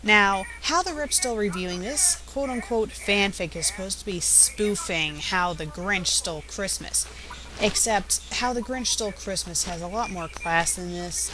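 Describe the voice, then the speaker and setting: A woman's voice: lowish voice, background noise. A woman hosting a casual, off-the-cuff commentary on her own web show, chatty and openly opinionated. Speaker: web show host and critic.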